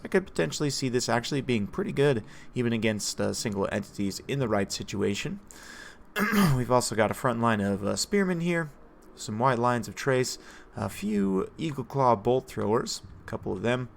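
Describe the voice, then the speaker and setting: Male game commentator, hoarse with a cold, gravelly fry, mid pitch, laid-back chatty delivery. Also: slight background noise. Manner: chatty, relaxed, frequent "uh" fillers and laughs. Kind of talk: casual strategy game commentary.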